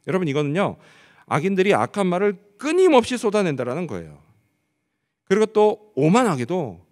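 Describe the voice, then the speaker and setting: A man preaching a sermon as pastor, asking the congregation rhetorical questions and answering them. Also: high-pitched. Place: church sanctuary. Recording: long church hall reverb.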